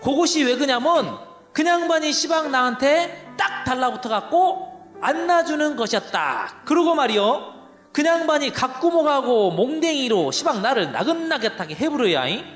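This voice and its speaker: A man's voice: extremely high pitch, very animated, normal speed, fairly bright tone. A man with a Jeolla dialect giving a comic, chatty and folksy dialect reading of a scripture passage. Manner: chatty, folksy, playful delivery. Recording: played recording in a reverberant hall with music behind.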